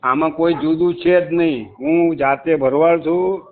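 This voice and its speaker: A man's voice: fairly high pitch, normal speed. Guy on a phone call, keeps hammering the same point, tinny phone sound. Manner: insistent, repetitive, emphatic. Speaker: caller.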